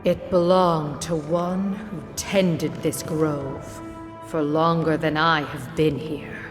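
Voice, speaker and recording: An ancient female guardian of the woods for a fantasy game. She is solemn and formal, with a low pitch and extremely slow, measured delivery. Her voice rings in a long reverb over music. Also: fairly even intonation. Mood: solemn, welcoming. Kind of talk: scripted fantasy video game acting.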